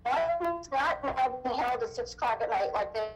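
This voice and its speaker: Insistent woman, slightly high voice, heard through choppy remote audio that breaks up and drops out. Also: animated, moderate pace, over loud music. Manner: insistent, pressing questions. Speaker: resident making public comment. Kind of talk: public comment at a town board meeting.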